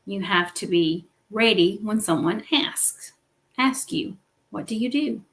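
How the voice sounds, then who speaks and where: A woman's voice: medium pitch, takes it slowly, fairly bright tone. A woman hosting a weekly business livestream, coaching viewers in an encouraging teaching style and often checking in with "okay?" and "right?".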